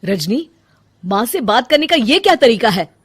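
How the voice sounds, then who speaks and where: A woman voicing a concerned young husband in a cartoon story, who pleads gently with his wife. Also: on the high side, big pitch swings, moderate pace, breathy edge. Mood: pleading.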